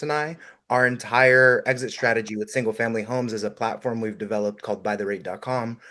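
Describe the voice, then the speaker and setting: Upbeat man giving eager advice. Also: mid-range voice. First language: Russian. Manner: energetic, encouraging, many "um"s. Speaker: guest investor. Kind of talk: podcast call-in advice.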